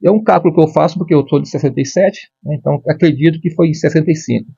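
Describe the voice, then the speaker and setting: This fifties-aged Brazilian man, a retired military police major, has a fairly high, creaky, warm and husky voice. He's a guest in a conversational interview, measured and formal, with many restarts. The recording is dry and the audio dull.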